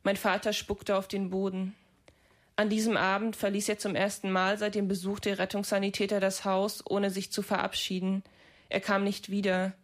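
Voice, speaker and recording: Calm literary reader, woman, very even flat delivery, measured. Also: mid-range voice. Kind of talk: literary reading.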